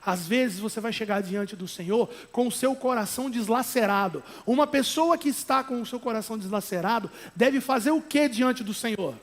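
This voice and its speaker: A Brazilian man preaching a sermon as pastor, emphatic, with conversational asides and tag questions, at times rising to loud exhortation. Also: very high-pitched, normal speed, few pauses. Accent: Brazilian Portuguese.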